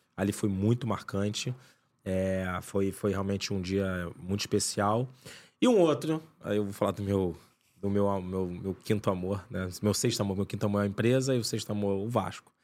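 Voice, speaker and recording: In a Carioca accent, a man talks at a moderate pace. His fairly low voice sits on a very clean recording with a silent background. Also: ordinary pitch variation. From Brazil, Rio de Janeiro. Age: 30s. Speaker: business executive. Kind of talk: casual chat. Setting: studio.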